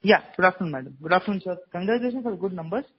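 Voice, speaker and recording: A man's voice: sits high, lively intonation, racing, husky. A man with an Indian accent, an individual investor deferentially asking questions on an earnings call. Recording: muffled, dull phone line.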